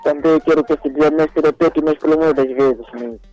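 A man's voice: fairly high pitch, fairly even intonation, a little fast, darkish tone, highs cut off, faint music behind. A man. He rambles through a list of greetings and says "mesmo" over and over. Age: 20s. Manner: repeats "mesmo" constantly, rambling. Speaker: radio caller.

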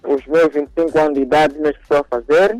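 A man in his twenties calls in to a radio show. His voice is slightly high, and he rambles on, repeating the same filler word again and again. Faint music plays under the call. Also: fairly even intonation, quick pace, darkish tone, rough recording. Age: 20s. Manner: repeats "mesmo" constantly, rambling. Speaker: radio caller.

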